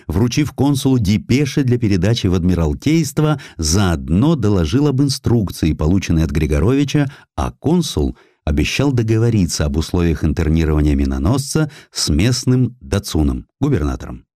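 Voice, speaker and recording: A man narrating a historical audiobook with dramatic, deliberate, theatrical phrasing. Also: sits low, big pitch swings, dark tone, no room sound, clean studio sound.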